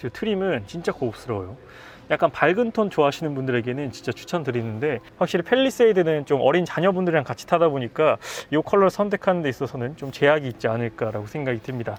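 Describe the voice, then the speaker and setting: Talking at a very fast pace, a man uses a fairly high pitch. His voice makes very wide pitch swings. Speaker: car reviewer. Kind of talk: video review walkthrough. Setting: car showroom event.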